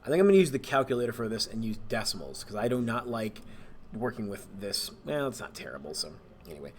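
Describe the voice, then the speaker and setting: A man, a math teacher, relaxed and thinking aloud as he walks through homework problems and corrects himself along the way. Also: lowish voice, fast. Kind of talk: homework walkthrough screencast.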